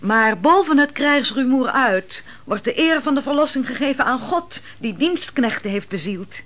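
A shrewd, measured, mocking storyteller. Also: female voice, high voice, expressive, fairly bright tone. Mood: solemn, didactic. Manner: measured, didactic, theatrical. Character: shrewd, mocking woman who serves wine and lectures. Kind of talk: Dutch radio play acting.

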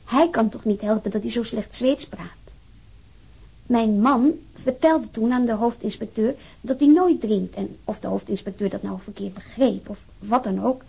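Earnest wife with husky, creaky voice. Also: female voice, a little high, normal speed, dark tone, full character voice. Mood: indignant, worried. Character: worried, indignant wife writing on her sick husband's behalf. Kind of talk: dramatized reading of a complaint letter.

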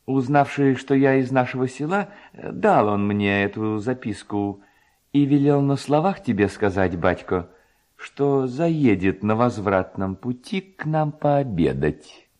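A man voicing a quick-witted, deferential young village lad in a storybook, in an expressive, measured way. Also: mid-range voice, voice pushed up, lightly acted. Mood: composed, crafty.

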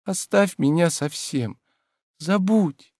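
A man reading a weary, resigned gentle landowner. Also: fairly high pitch, expressive, a little slow, no echo, clean studio sound, voice pushed up. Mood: pleading. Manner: soft, pleading, shrinking back. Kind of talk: audiobook reading.

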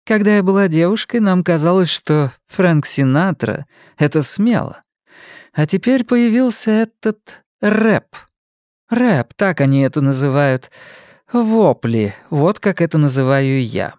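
A stern older mother with a prim, scolding voice, pitched up high, put on by a male narrator. She speaks crisply and sharply in an audiobook reading. The recording is close and dry. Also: animated, unhurried, a little mellow, dry recording. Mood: disapproving. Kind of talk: audiobook character voice.

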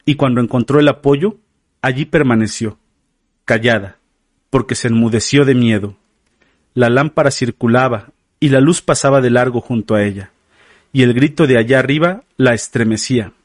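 A man narrating a literary audiobook in a slow, measured, somber way. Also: medium pitch, no echo, studio quality.

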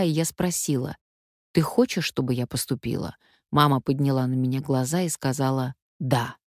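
Older actress with a low, dry voice. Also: female voice, dry recording. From Omsk, Siberia, Russia. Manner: wry, lively anecdotal narration. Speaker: stage actress. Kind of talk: memoir storytelling.

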